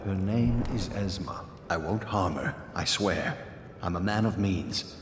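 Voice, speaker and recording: An actor playing a dry, discreet aristocratic gentleman at a party in a video game, speaking in a measured way. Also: sits low, animated, background noise. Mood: hushed, earnest. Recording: echoey hall reverb with music behind.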